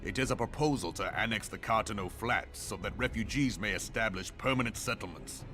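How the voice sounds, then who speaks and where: Stern, low-voiced fantasy commander. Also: male voice, pushed and bright. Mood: grave, explanatory. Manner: measured, formal, weighty delivery. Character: stern, grave male military leader in a fantasy world. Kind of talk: formal archaic fantasy game dialogue. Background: background game music.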